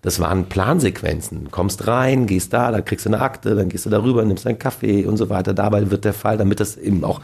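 A male actor as an interview guest, telling lively stories about film sets in a casual way. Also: lowish voice, fairly quick, creaky, few pauses, husky. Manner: animated storytelling with acted quotes.

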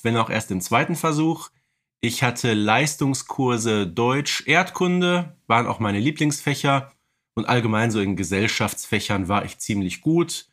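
A man's voice: mid-range voice, a bit bright. A man chatting as a podcast co-host in a casual, humorous style.

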